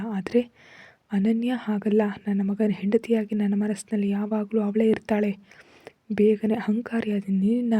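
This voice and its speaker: A woman reading aloud voices a domineering mother-in-law, stern and scolding, all in a husky whisper. The sound is low and dark, flat in pitch, close and dry. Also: no room sound, natural voice. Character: harsh domineering mother-in-law, middle-aged.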